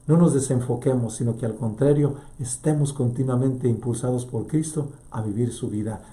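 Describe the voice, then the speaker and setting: A man preaching a sermon as a priest, fervent and swinging from loud to hushed. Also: mid-range voice, reverberant.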